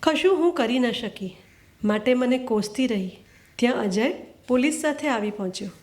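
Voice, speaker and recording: A woman reading her own short story aloud at a literary event, in a measured, earnest storytelling manner. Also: fairly high pitch, expressive, a little mellow.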